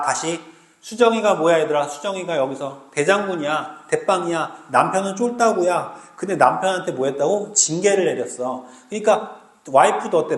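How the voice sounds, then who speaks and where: A man teaching a Korean literature class live, lively and slangy, often checking whether students understand. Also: on the high side, echoey room, rough recording. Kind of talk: classroom lecture.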